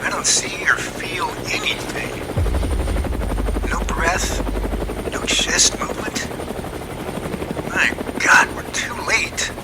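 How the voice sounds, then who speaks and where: A man's voice: high voice, huge pitch swings, takes it slowly, pauses often, full character voice. A man playing an emotional helicopter rescue crewman on a rope in an amateur audio drama, talkative and earnest. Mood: shocked. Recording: loud helicopter and engine noise.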